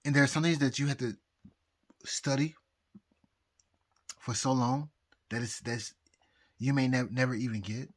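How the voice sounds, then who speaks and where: A very drunk man rambling casually to viewers, halting and repeating himself as he loses his thread. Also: mid-range voice, steady tone. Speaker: amateur astrologer vlogger.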